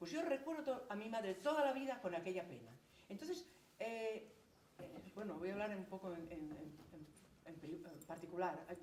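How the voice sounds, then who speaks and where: Audible room echo surrounds a woman speaking at a fairly quick pace. Her pitch swings very widely. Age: 60s. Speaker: descendant of war victims giving testimony. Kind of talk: testimony. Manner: halting.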